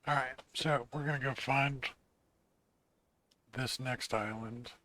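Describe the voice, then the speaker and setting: Hoarse man casually narrating gameplay. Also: medium pitch, steady tone, slow, pushed and bright, no echo. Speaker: gaming channel host. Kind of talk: casual let's-play commentary.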